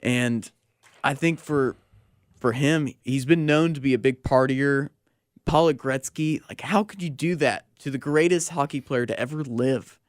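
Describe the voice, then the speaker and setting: A man's voice: mid-range voice, unhurried, no room sound. Young american guy hosting sports radio, slangy and chatty, real dry studio sound. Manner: slangy, conversational. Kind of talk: casual sports talk radio chat.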